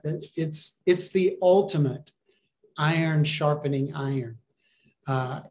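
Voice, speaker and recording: Pastor, male, fairly high voice, earnest and encouraging, preaching on a webcam. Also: a little mellow. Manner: earnest, encouraging, asks the listeners questions. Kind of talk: sermon over a video call. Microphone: video call webcam.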